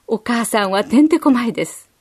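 A woman narrating a children's story in a gentle, measured storytelling manner. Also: a little high, expressive, slightly rough. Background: faint music.

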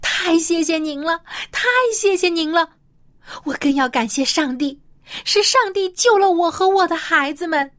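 A woman storyteller voicing a grateful, excitable widowed mother in a children's Bible story, earnest and exclaiming. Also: extremely high pitch, normal speed. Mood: overjoyed gratitude.

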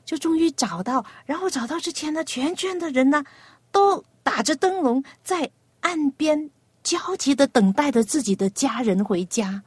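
A woman hosting a children's radio program, asking a young guest patient, coaxing questions and telling a gentle story. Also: high voice, expressive, moderate pace, no room sound.

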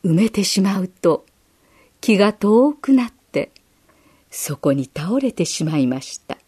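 Slow, expressive woman storyteller. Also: medium pitch, slightly rough. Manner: gentle, expressive reading with acted quotes. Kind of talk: scripted children's Bible story narration.

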